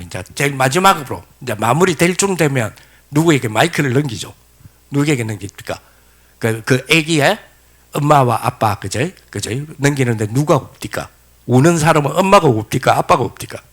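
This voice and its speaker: A man's voice: medium pitch, a bit bright. A middle-aged male pastor delivers a sermon in a lecture style. He tells stories with energy, asks the congregation questions, and slips into quoted voices.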